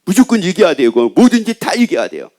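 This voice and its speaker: High-voiced Korean pastor preaching. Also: male voice, wildly swooping pitch, brisk, a little mellow. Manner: asks the congregation questions and answers them himself. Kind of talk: sermon.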